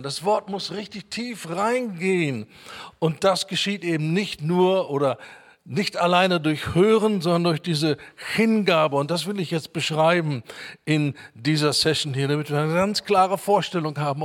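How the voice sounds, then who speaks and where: A man preaching a sermon, emphatic, repeating key words and reading scripture slowly. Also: a little high, expressive.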